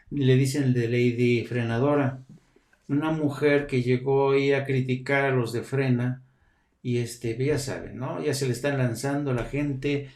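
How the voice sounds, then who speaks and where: A man's voice: medium pitch, a little mellow, echoey room. A man hosting a live show, talking casually and rambling with many fillers. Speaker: host.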